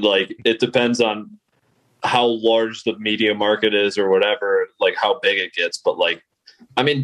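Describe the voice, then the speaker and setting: A man's voice: medium pitch, a bit bright, poor audio. Chatty young male sports reporter. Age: 20s. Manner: chatty storyteller, heavy filler words. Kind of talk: casual sports chat.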